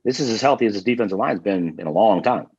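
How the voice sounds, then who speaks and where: A man speaks quickly with a slightly husky voice, coming through somewhat dull, lo-fi remote audio. He sounds excited, talking like a fan rather than an analyst. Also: lowish voice. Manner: excited, fan-talk enthusiasm. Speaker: podcast guest. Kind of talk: casual podcast banter.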